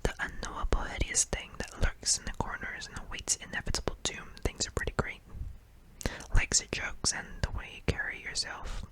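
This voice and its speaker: A performer voicing a kindly, apologetic sleep paralysis demon in a soft, hesitant, breathy whisper for an ASMR roleplay. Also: moderate pace, natural voice, poor audio. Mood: reassuring, tender.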